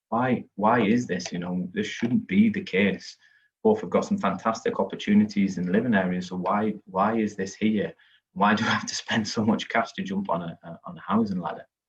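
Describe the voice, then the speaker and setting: The speaker is a man with a northeast English accent. He talks at a moderate pace. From northeast England (Hartlepool). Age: 30s. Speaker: housing company founder. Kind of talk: presentation. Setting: virtual festival talk. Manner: halting, frequent fillers and repetitions.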